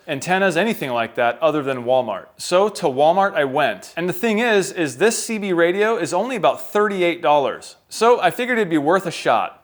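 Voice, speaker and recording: An American man talking casually to viewers as a vlogger, in an unboxing and how-to style. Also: fairly high pitch. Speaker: vlogger reviewing a product.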